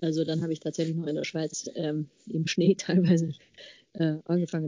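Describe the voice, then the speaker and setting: Speech at a moderate pace, with a dark, mellow tone and a dry, close sound that has no echo. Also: woman. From Netherlands, Rotterdam. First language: Dutch (speaking German). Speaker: neurosurgeon. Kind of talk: casual interview chat. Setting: video call.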